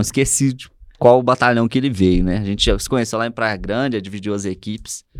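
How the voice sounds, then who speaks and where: A man at medium pitch talks fairly quickly in a normal speaking voice. The recording is very clean with a silent background, and the sound is dry and close with no echo. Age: 20s. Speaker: military police officer. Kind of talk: interview testimony.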